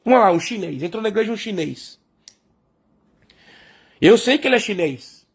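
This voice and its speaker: A man's voice: sits high, expressive, normal speed, husky. A man preaching a sermon, who asks questions and answers them himself and keeps calling the congregation brothers. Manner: explains by asking and answering his own questions; addresses the congregation as brothers and sisters.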